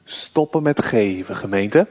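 A man preaching a sermon to his congregation, slow and solemn, rising at times into fervent emphasis. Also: fairly low pitch, animated, a little mellow. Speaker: pastor. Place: church. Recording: long church reverb, dull sound.

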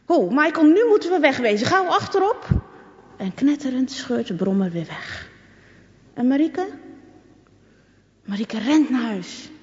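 A woman reading a children's story aloud in a lively, expressive way. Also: fairly high pitch. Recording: echoey, dull recording.

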